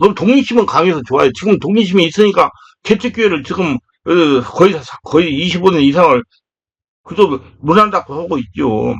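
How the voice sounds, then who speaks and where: A man talks at a very fast pace in a high pitch, his voice making very wide pitch swings. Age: 70s. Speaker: pastor. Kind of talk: sermon. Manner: halting, many fillers and restarts.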